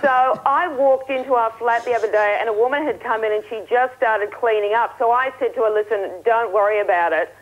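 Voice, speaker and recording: A woman's voice: on the high side, fairly quick, few pauses, dull audio. A woman in her thirties with an Australian accent, telling a comic travel story in a wry, self-mocking way over a link to a TV studio. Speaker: comic correspondent. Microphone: earpiece link from a studio desk.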